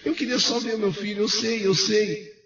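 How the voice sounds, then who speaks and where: A man's voice: sits high, fairly even intonation, normal speed, a bit bright, pitched above the performer's own voice. Man voicing a tearful pleading young mother. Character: young grieving mother begging for her child. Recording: roomy, muffled radio recording.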